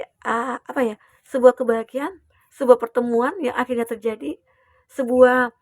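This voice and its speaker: Young woman, tarot reader, slightly high voice with vocal fry, reassuring and chatty, dry close sound. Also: no room sound. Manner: gentle, reassuring, with many fillers and tag questions. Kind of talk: collective tarot reading.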